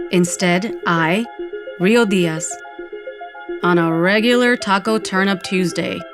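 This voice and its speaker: A woman's voice: mid-range voice, close to an everyday voice. A woman playing a wry undead Latina goth who narrates her own story in a dramatic comic audio fiction style.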